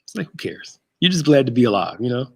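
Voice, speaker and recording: A man's voice: medium pitch, sing-song, quick pace, gravelly, faint music behind. A man in his thirties, a pastor hosting a casual chat show from a church sanctuary, laid-back and joking. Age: 30s.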